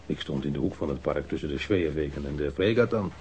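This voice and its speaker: A man's voice: very deep voice, quick pace, darkish tone, a little hiss or hum. An actor playing an evasive street mugger in a radio drama, defensive and rambling as he answers police questions in slangy, hesitant speech. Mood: hesitant, recalling. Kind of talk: naturalistic radio drama acting. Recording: dull lo-fi radio recording.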